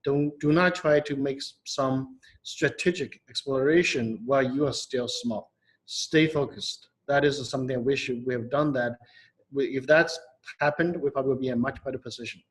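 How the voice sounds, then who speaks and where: A man, a company co-founder, giving thoughtful, measured interview answers with frequent pauses and restarts. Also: mid-range voice, poor audio.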